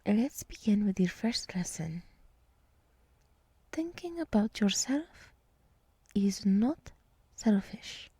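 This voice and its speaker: Woman as soothing deer girl, ASMR whisper, breathy, slow, tender meditation-guide manner, close-miked. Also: medium pitch, big pitch swings, no echo, exaggerated voice. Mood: soothing, encouraging. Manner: slow, soft, breathy, reassuring. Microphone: close microphone, dry.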